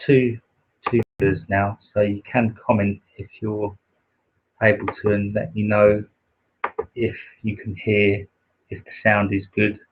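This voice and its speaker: A soft-spoken man with a naturally quiet voice, hosting a livestream and slowly reading a spiritual text, with many pauses and fillers. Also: fairly low pitch, a little hiss or hum. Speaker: livestream host reading aloud. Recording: dull lo-fi livestream audio.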